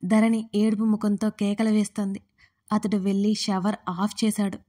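Give me a woman reading a story aloud, steady and flat, with a warm, dark voice. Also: medium pitch, normal speed. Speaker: narrator. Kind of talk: audiobook story narration.

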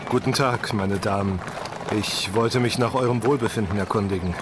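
A man's voice: on the low side, normal speed, very noisy, close to an everyday voice. A man playing a formal, brusque leader of refugees in an audio drama, clipped and matter-of-fact. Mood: formal, curt.

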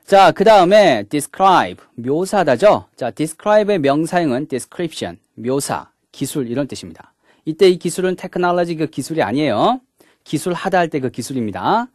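A man's voice: a little high, very animated, normal speed, dry recording, clean studio sound. A man giving a recorded English grammar lecture, walking through each point step by step and opening each one with a short "자". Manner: mixes English words into the explanation.

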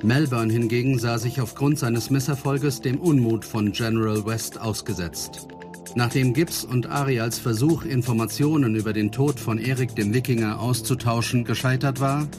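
Male drama narrator over music. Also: mid-range voice. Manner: measured, serious. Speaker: narrator, announcer. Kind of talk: scripted audio drama narration and recap. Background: clear music.

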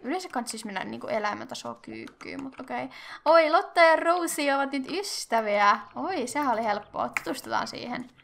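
A young woman hosting casual game commentary, chatty and excitable, thinking aloud and squealing at cute animals. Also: sits high, vocal fry, a little hiss or hum. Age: young adult. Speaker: gaming channel host.

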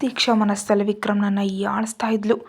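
A woman's voice: level tone, fast, breathy edge. A woman narrating a romance story in a scripted storytelling style, acting out the characters' lines herself. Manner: acts out both lovers' lines, louder and higher in quarrels.

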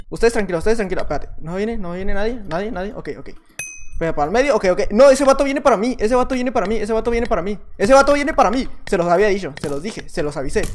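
A man with a Mexican accent giving casual gameplay commentary, chatty and repeating short phrases over and over, sometimes bursting into loud excited yelling. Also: high-pitched, slight background noise. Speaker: gaming channel host.

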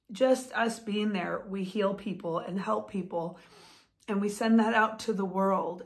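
A woman in her fifties talking casually to camera at home, chatty and enthusiastic, gesturing with her hands as she talks. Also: mid-range voice. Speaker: vlogger and author. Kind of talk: casual talking-head vlog. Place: home room, indoors. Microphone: phone or webcam close up.

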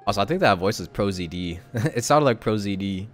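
Lively, rambling man streaming a game. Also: on the low side, loud music behind the voice. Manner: rambling, halting, conversational. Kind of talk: casual live-stream commentary with reading aloud.

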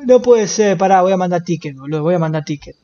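A man with an Argentine accent streaming a roleplay game, swearing constantly and breaking into loud wails. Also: high voice, fast, lo-fi sound. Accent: Rioplatense Argentine. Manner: profane, excitable, bursts into loud wailing. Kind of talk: casual gaming chat.

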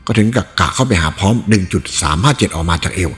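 A man narrating a novel aloud in an expressive storytelling read. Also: sits low, fast. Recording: reverberant room with faint music.

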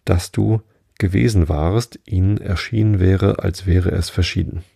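A self-satisfied duchess who turns every remark into a moral, read by a man in a deep voice. She comes across as gravelly and dark-toned. The delivery is preachy and storybook-like. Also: steady tone, moderate pace, no echo, studio quality, heavily acted. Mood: smug. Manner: preachy, spins out tangled morals. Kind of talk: storybook reading.

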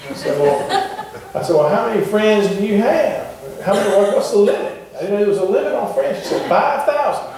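Speaking briskly with lively intonation and a darkish tone, a middle-aged pastor gives a chatty sermon full of questions for his congregation; his voice runs a touch higher than most men's. Recorded from a distant camera at the back of a wooden sanctuary, it sounds far off and heavily echoey.

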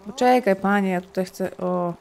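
A woman talks her way through a video game in a relaxed, chatty commentary at an ordinary pitch. She thinks aloud and throws in playful little sound effects. Faint game ambience sits softly behind her voice. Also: moderate pace, slight background noise. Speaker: gaming streamer. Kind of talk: casual let's-play commentary.

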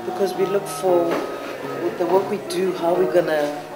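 A woman talks in a searching way, often restarting sentences. Her voice sits low and rings in a roomy space. Loud music plays under her. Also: fairly even intonation, normal speed. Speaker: interviewee, project worker. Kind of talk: casual interview talk. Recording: echoey room, music over.

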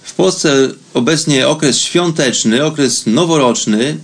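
A man's voice: a little high, slow. A man from Poland hosting a radio program, speaking in an informal, chatty and reflective monologue, taking his time over his phrases.

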